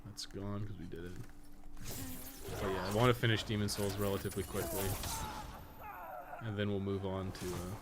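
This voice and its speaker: Low-voiced man rambling over clear background noise. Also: little pitch movement, moderate pace, pauses often. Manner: opinionated, rambling, profane, thinking aloud. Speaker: game streamer and guide maker. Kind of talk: casual gameplay livestream commentary.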